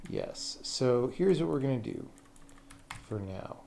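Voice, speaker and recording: A man with a mellow, dark-toned voice talks slowly as he thinks aloud at his computer. He speaks in short, muttered fragments, casually and with some swearing. Keyboard typing and faint noise sit behind him. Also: mid-range voice, animated, gravelly. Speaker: livestreaming game programmer. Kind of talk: casual thinking aloud while coding on stream.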